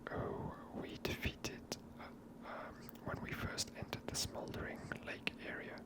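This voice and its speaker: Casting: hushed ASMR game streamer, whispered delivery throughout, unvoiced and soft. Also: unhurried.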